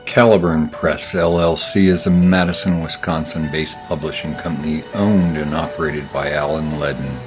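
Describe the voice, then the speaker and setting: A man's voice: extremely low pitch, fairly even intonation, moderate pace, few pauses. A man reading a scripted company advert as an announcer. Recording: music with guitar behind voice.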